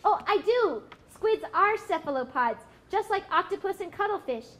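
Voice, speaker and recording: A woman's voice: very high-pitched, animated, normal speed, fairly bright tone. A woman voicing a curious, eager young female sperm whale in a live puppet show. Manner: wide-eyed, enthusiastic.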